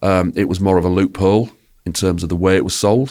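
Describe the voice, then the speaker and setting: A man speaks with a Yorkshire accent at a very deep, low pitch. The recording is very clean, with a silent background. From Yorkshire, northern England. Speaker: business executive. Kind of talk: podcast interview. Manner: blunt.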